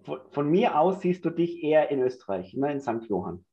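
A man in his thirties hosting a podcast over a video call on a headset, halting and hesitant with lots of fillers. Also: fairly high pitch, very animated, dark tone, muffled recording. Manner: halting, many fillers and restarts. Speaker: podcast host. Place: indoors, in front of a banner backdrop.

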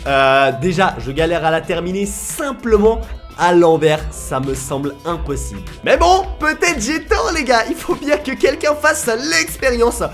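A young man gives energetic gameplay commentary, often shouting and laughing as he talks to viewers. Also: sits high, normal speed, faint music behind. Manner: excitable, shouts and laughs often, addresses viewers as "les gars". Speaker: gaming YouTuber.

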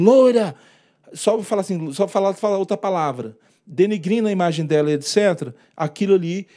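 Man, lecturer, informal presentation, animated, acts out dialogue, fairly high voice. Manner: animated, acts out quoted dialogue, points at slides. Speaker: lecturer on workplace harassment law.

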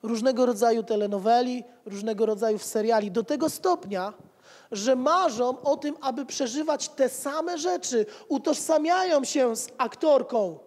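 In a reverberant church hall with pews, a pastor holds a handheld mic and preaches a sermon full of rhetorical repetition and casual asides. His voice is extremely high-pitched with a darkish tone, and he speaks at normal speed.

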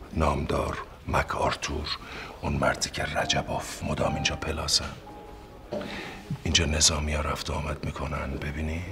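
An actor playing a stubborn, sarcastic uncle in a period TV drama, blustering and indignant. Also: male voice, extremely low pitch, vocal fry, sharp tone, full character voice. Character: stubborn sarcastic middle-aged uncle, innkeeper host.

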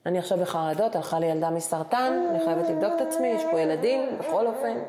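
A woman's voice: fairly high pitch, a loud crowd. Middle-aged woman telling her story in an echoey room. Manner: animated, acts out the dialogue she retells. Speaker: interview guest. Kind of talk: emotional personal storytelling. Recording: roomy echoing room.

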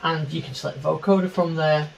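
A middle-aged man giving an informal, unscripted tutorial on music software, explaining step by step into a handheld microphone in a small home studio. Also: on the high side, steady tone, quick pace, vocal fry, dull audio, slight background noise. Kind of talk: informal screen-share tutorial.

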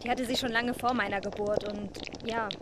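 A woman's voice: on the high side, steady tone, a little fast, very noisy, natural voice. An actress playing a guarded, polite sixteen-year-old girl in a German audio drama. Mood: subdued, sad.

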